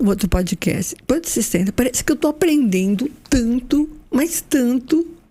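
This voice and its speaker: A woman at a fairly slow pace with very wide pitch swings. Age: 60s. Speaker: podcast co-host on senior life. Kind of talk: casual chat.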